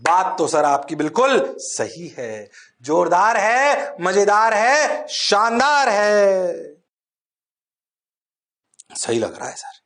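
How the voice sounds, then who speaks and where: A man's voice: high-pitched, very animated, extremely slow, long pauses, fairly bright tone, exaggerated voice. A man doing an eager agreeable student. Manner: singsong rhyming agreement.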